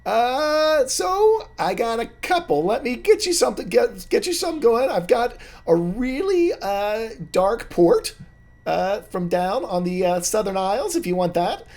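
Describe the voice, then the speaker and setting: A man voicing a jovial male halfling bartender who greets guests loudly and chats on and on. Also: extremely high pitch, big pitch swings, unhurried, voice pushed up, exaggerated voice. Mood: boisterous, friendly. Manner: loud, chatty and welcoming.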